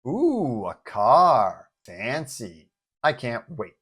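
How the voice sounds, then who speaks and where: A man voicing a confident, affectionate female police chief in a superhero story, brisk and teasing in manner. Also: mid-range voice, huge pitch swings, fairly bright tone, breathy edge, heavily acted.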